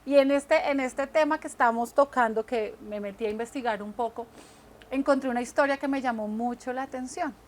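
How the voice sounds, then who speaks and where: Her voice sits high and brisk as she co-hosts a Christian talk show. She speaks earnestly about faith in casual, faith-based conversation, often checking in with a quick "right?"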